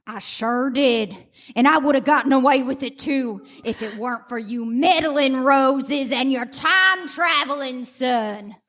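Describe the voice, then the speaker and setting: Woman as villainous male Texan conspirator, high-pitched drawl, comic radio drama. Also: a little slow, hardly any pauses, a bit bright. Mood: gloating. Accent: Texas drawl. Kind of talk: live comedic radio play acting.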